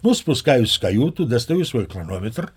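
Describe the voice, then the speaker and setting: An actor playing a seasoned old sea captain who narrates tall tales as a chatty, mock-dignified raconteur. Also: male voice, medium pitch, sing-song, normal speed, breathy edge. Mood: chatty, wry. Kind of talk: dramatized storytelling narration.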